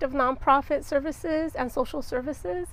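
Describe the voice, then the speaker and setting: Here is a woman with an American accent. Her pitch is high and varies in an ordinary way. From Santa Barbara, California. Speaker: nonprofit founder and social worker. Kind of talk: interview. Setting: studio.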